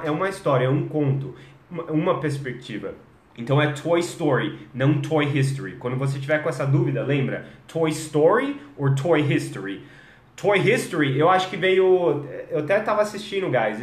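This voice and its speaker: A young Brazilian man leads a live English lesson with lots of energy. His voice sits a little high and he slows down to stretch out example words. The sound carries a noticeable room echo. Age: young adult. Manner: energetic, code-switching, drawn-out demo words. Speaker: English teacher.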